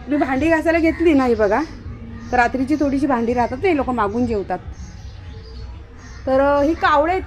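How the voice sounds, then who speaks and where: A woman with a high voice chats casually to her viewers while she works outdoors at home. Now and then she calls out loudly to her dog. Clear music plays behind her, and her voice sounds recorded on a phone camera. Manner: chatty, talking straight to viewers and calling loudly to her dog. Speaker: vlogger. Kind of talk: casual home vlog narration. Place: outdoors at home, washing dishes in the morning.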